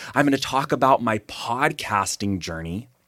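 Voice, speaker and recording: Animated in tone, a man speaks at a moderate pace with very wide pitch swings. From Central California. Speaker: podcast host. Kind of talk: solo podcast monologue.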